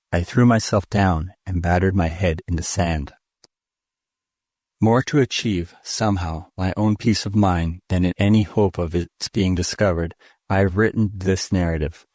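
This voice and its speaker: Man, very low voice, audiobook narration, measured, dry close sound. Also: no echo. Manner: steady, measured first-person storytelling. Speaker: audiobook reader. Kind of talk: scripted narration of a classic science fiction story.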